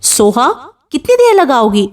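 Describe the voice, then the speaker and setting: An arrogant, hot-tempered rich young man from an audiobook novel, curt and threatening in every line, read by a woman. His voice sits fairly high, since the storyteller keeps her own register. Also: very animated. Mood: stern. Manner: harsh, threatening, commanding.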